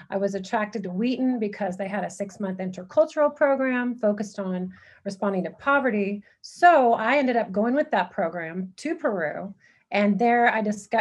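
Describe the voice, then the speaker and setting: A woman's voice: mid-range voice, breathy edge. A woman from Texas, a missionary guest, answering interview questions in an easygoing way with frequent fillers. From San Antonio, Texas.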